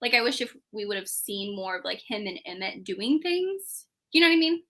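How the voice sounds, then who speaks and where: A woman's voice: mid-range voice, sing-song, moderate pace, a bit bright. A woman talking informally about books as a live show co-host, using "like" often as she gives opinions. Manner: informal, heavy use of "like". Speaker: co-host of a book club readalong. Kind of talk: casual book chat, live show.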